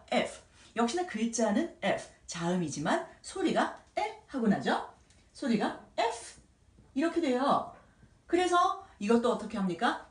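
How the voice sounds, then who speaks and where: A woman teaching English grammar in a patient way, sounding out words slowly and repeating them. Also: mid-range voice, echoey room, recorded from a distance. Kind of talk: explaining grammar at a whiteboard.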